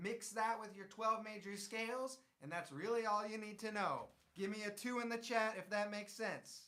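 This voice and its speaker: Bright and sharp in tone, a man's high voice moves along at a moderate pace. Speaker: trombonist and music teacher streaming live. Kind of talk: live stream Q&A. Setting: live stream. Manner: loud, yelling. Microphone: mic level set for trombone, voice quieter.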